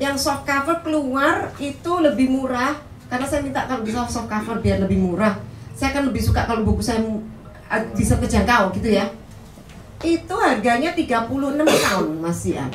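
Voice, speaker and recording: With a Surabaya accent, a woman talks at a high pitch and moderate pace with lively intonation. Audible room echo and noticeable background noise are present. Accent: Surabaya accent, kept. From Surabaya, Indonesia. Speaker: writer and academic. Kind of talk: book discussion interview. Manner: casual, conversational.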